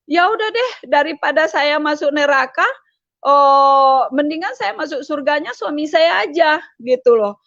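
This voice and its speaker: A middle-aged woman giving an emotional personal testimony, repeating herself and pausing with hesitations. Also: sits high, lively intonation, fairly bright tone, dry recording, muffled recording. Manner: emotional, repetitive storytelling with frequent hesitations. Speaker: testimony speaker.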